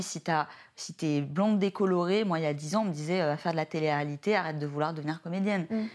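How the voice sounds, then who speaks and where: A woman's fairly low voice at a fairly quick pace, with ordinary pitch variation, on a very clean recording with a silent background. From France, Lyon. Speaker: fitness content creator. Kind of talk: casual interview chat. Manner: halting.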